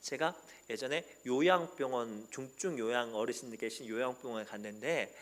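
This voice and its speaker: A man preaching a sermon as pastor, animated and sometimes shouting. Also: mid-range voice, normal speed. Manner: animated, acts out quoted voices and sometimes shouts.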